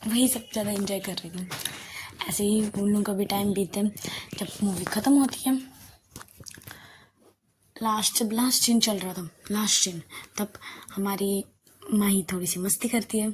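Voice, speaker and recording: Woman, audio love story narrator, conversational, hushed in tender parts, mid pitch, faint hiss. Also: normal speed, long pauses.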